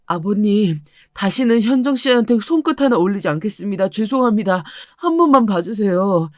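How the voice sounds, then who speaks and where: A woman's voice: mid-range voice, lively intonation, normal speed, a little mellow, dry recording, natural voice. A remorseful young husband who begs and apologizes, read by a woman in her own voice. His words are pleading, and the recording is dry and close.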